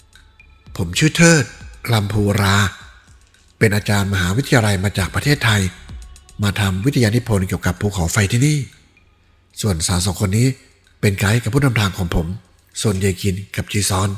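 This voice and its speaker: A man's voice: lowish voice, moderate pace, pauses often, soft background music, lightly acted. Man doing a charming polite young man. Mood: friendly. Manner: polite, apologetic, smooth-talking.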